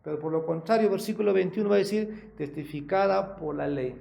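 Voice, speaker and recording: A man pastor preaching a sermon in a conversational way, with self-corrections and frequent rhetorical questions, and louder emphasis on key words. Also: sits high, fairly quick, gravelly.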